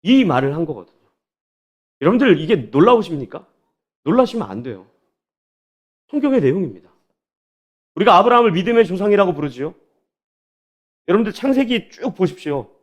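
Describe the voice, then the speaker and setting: A man's voice: high voice, sing-song, a little fast, long pauses. A male pastor giving an earnest sermon, often addressing the congregation directly.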